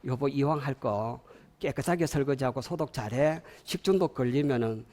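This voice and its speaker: A man's voice: medium pitch, moderate pace, darkish tone, close to an everyday voice. A man voicing a well-meaning husband who lectures his wife in an earnest tone. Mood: earnest nagging.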